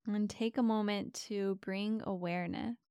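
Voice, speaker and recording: A woman guiding a meditation softly and soothingly, giving gentle, slow, spacious instructions as a host. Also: medium pitch, steady tone, clean tone, no room sound, clean studio sound. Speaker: meditation podcast host and guide. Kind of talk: soft, soothing guided meditation.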